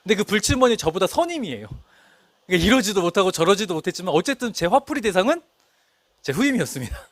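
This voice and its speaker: A man's voice: high-pitched, big pitch swings, fast, no room sound. A middle-aged male pastor preaching a sermon, telling a story and asking the congregation questions. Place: church.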